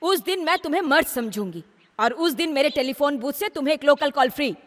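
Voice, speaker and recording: Feisty high-voiced taunting woman. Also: animated, brisk. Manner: taunting, sassy. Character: feisty, mocking young village woman goading a man. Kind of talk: dubbed Indian film acting. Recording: reverberant, slightly noisy sound.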